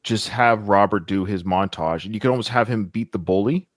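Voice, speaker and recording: A man's voice: on the low side, a little fast, no echo, studio quality. A man co-hosting a podcast, chatting casually about a movie as he watches it and acting out quoted lines. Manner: animated, acts out quoted lines. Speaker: podcast co-host. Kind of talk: casual film commentary chat.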